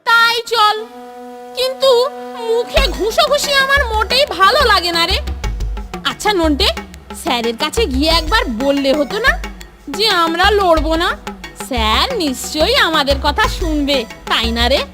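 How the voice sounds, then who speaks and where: A woman voicing a small, reluctant, timid schoolboy in a children's cartoon, speaking in a plaintive, expressive way. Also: very high voice, moderate pace, over music. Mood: grumbling. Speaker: cartoon voice actor. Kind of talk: Bengali children's cartoon dialogue.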